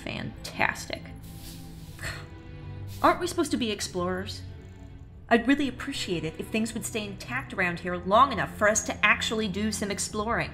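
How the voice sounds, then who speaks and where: A woman's voice: mid-range voice, expressive, moderate pace, bright, forceful tone, soft background music. A woman playing a sardonic, exasperated director in command of a space platform, in a science fiction audio drama. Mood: weary exasperation. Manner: dry, authoritative, sardonic.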